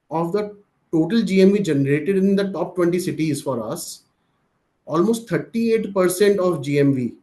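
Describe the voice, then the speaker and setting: A man with an Indian accent giving an explanatory business presentation on an earnings call, often pausing mid-sentence. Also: fairly high pitch, a little mellow. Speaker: company executive presenting.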